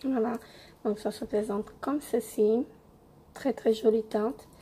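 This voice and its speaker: A young woman with a cold-roughened voice, hesitantly reviewing beauty products in a casual home vlog with many fillers. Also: fairly high pitch, fairly even intonation, measured pace, dark tone. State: hoarse from a cold. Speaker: beauty vlogger.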